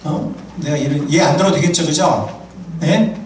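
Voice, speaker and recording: A male pastor preaching a sermon in a church, animated and humorous, telling personal anecdotes. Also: fairly high pitch, moderate pace, a little hiss or hum. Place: church sanctuary. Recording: echoey hall from far off.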